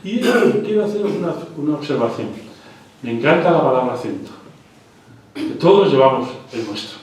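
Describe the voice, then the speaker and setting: A man's voice: mid-range voice, sing-song, normal speed, a little mellow. Male lecturer, hesitant and repetitive delivery, distant mic in a very echoey hall. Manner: hesitant, with repeated words and restarts. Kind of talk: live literary lecture.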